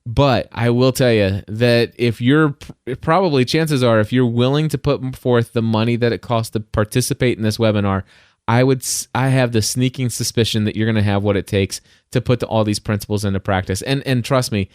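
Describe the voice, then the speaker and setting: A man hosting a podcast, giving casual how-to advice in a loud voice with many fillers and restarts, talking close to a studio microphone in his home studio. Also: mid-range voice, brisk, clean tone, no echo. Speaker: podcast host. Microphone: dynamic studio mic up close.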